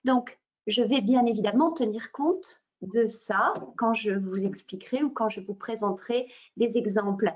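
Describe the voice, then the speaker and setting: Hesitant French teacher, slightly high voice. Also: female voice, normal speed, darkish tone. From France. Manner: hesitant, many fillers and restarts. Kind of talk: webinar presentation. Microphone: computer mic on a video call. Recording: muffled lo-fi webinar audio.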